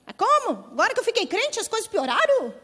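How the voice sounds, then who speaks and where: A woman's voice: extremely high pitch, very animated, quick pace, sharp tone, voice pushed up, full character voice. A woman preacher voicing a disappointed new believer who complains in disbelief. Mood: indignant. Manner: incredulous, complaining. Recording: reverberant convention hall.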